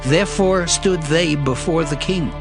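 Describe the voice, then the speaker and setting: A man narrating dramatized scripture as a solemn, deliberate storyteller. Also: a little high, over music.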